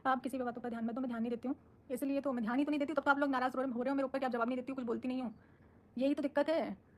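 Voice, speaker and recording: A woman talks quickly and firmly on a live stream, answering the comments her viewers send her. She sounds defensive and outspoken, and her voice sits fairly high for a woman. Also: steady tone. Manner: firm, defensive, speaks her mind. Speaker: social media creator on a live stream.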